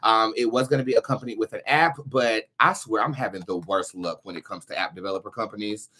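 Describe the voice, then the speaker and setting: A man's voice: on the low side, quick pace, bright, forceful tone, slightly rough. An American man with a sassy, campy, slangy manner, hosting a livestream and chatting casually through announcements. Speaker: tarot reader hosting own show.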